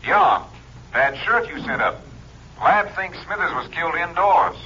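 An American actor playing a brisk, clipped, official police captain in a 1950s radio drama. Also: male voice, a little high, sing-song, bright, forceful tone, highs cut off, slight background noise, exaggerated voice. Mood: businesslike. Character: brisk police captain reporting lab findings. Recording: thin, band-limited old radio recording.

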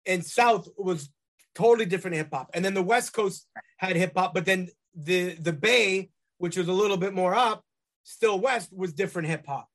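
A man in his forties from Canada, a musician guest rambling with halting restarts and casual swearing. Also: sits high, a bit bright. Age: 40s. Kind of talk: casual interview chat.

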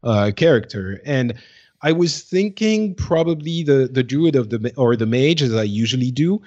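A man's voice: medium pitch, lively intonation, moderate pace, darkish tone, muffled recording. A man co-hosting a casual gaming podcast, thinking aloud in a hesitant way. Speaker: podcast co-host.

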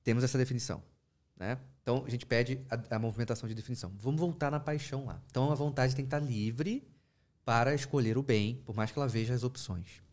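Male therapist, storytelling talk, animated pitch jumps, casual asides, mid-pitched voice. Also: fast talker. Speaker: therapist speaking about his practice. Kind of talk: conversational teaching talk.

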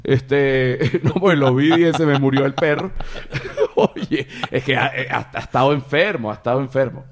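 A man hosting a podcast in a relaxed chat, quick and animated, laughing often as he tells stories. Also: mid-range voice, slight background noise. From Venezuela. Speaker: podcast host. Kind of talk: casual chat.

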